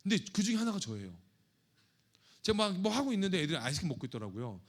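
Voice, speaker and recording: A male pastor delivers a sermon in a chatty, joking way, now and then turning confessional. His voice sits fairly high and moves with animated, lively pitch. He preaches from a church sanctuary. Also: rapid-fire.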